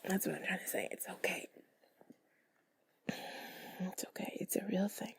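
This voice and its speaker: A woman talking intimately and soothingly to the listener in a soft, breathy, mostly whispered ASMR style, rambling in a confiding way close to the mic. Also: mid-range voice, measured pace. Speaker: intimate comfort audio creator.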